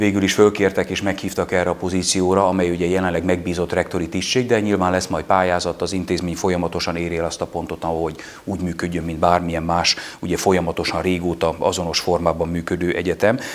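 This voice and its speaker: A man's very deep, low voice, very fast and monotone, with flat intonation. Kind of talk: interview answer. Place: office. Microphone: lapel.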